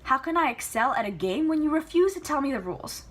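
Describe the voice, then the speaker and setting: A woman's voice: high voice, expressive, fast talker, fairly bright tone, voice pushed up. A woman voicing a defiant, sarcastic young woman magician in a storybook reading, emphatic and challenging. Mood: exasperated, challenging.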